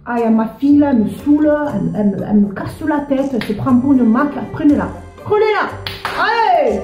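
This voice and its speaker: A woman voicing an angry father scolding his disobedient daughter, shrill and comic. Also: expressive, a little fast, darkish tone, roomy sound, soft background music.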